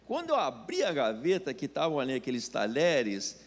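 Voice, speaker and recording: Storytelling Brazilian pastor in a reverberant hall. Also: male voice, mid-range voice, wildly swooping pitch, fairly quick. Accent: Brazilian Portuguese. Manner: storytelling, acting out dialogue. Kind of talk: sermon with personal story.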